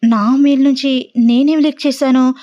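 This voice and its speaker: A woman voicing a young woman who pleads while crying, in a raised, higher voice. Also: fairly even intonation, normal speed, warm tone, lo-fi sound, close to an everyday voice. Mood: confused. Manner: high, pleading.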